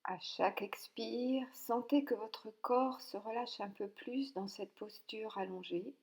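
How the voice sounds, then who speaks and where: Woman, slightly high voice, very slow delivery, calm, soft guided meditation, long pauses, relaxation instructor. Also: gravelly. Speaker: yoga nidra relaxation instructor.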